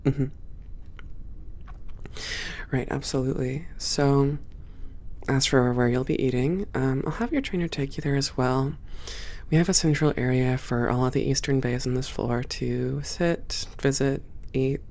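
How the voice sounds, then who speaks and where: A performer playing a friendly, composed female hangar supervisor in an ASMR roleplay, speaking in a measured, welcoming and professional way. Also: mid-range voice, fairly even intonation, darkish tone, close to an everyday voice. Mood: reassuring, instructive. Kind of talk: ASMR roleplay, one-sided conversation.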